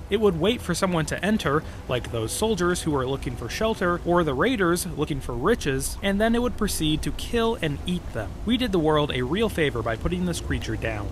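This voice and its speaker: A man's voice: on the high side, a little hiss or hum. A man giving scripted narration as the host of a video game lore channel.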